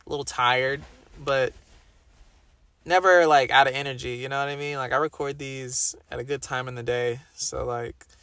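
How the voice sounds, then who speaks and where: A young man with a slightly raspy voice, chatting casually and rambling through a solo podcast in slangy talk, repeating phrases for emphasis. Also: medium pitch, fairly even intonation, moderate pace, a bit bright, no echo. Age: young adult. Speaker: podcast host.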